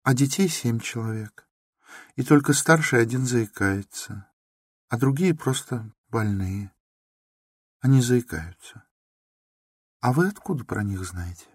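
A man voicing a timid, meek young woman who pleads softly and grows breathless in distress. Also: medium pitch, expressive, unhurried, long pauses, slightly rough, dry recording, studio quality, pitched above the performer's own voice.

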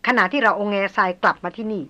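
A hot-tempered young noblewoman in a storybook voiced by a woman narrator presses with pointed questions and indignant complaints. Her voice rings bright and sharp. She is quick to anger and easily worried. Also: medium pitch, fairly even intonation, lo-fi sound, close to an everyday voice. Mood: questioning.

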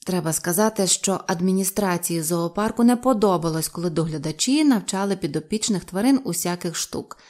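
A woman reading a novel aloud as an audiobook narrator, in an even storytelling manner. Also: fairly low pitch, fairly quick, few pauses. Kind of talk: scripted narration.

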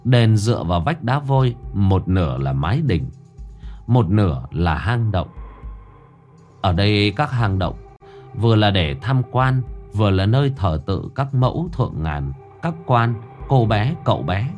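A man tells a first-person ghost story. His voice is low and very lively, rising and falling widely, and he narrates in an expressive, unhurried way. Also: soft background music.

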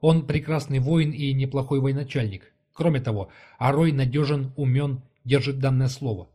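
A man narrating a fantasy novel as an audiobook, in an even, measured reading style. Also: medium pitch.

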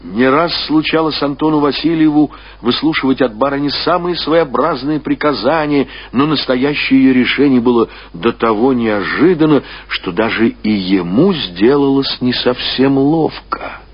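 A male narrator reads literary prose for radio with measured expression and weighty pauses. His mid-pitched voice is husky. The recording is somewhat dull.

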